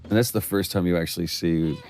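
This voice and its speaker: A man recording casual commentary on a game's cutscenes, relaxed and reflective, laughing easily. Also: sits low, fairly quick. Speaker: actor on developer commentary.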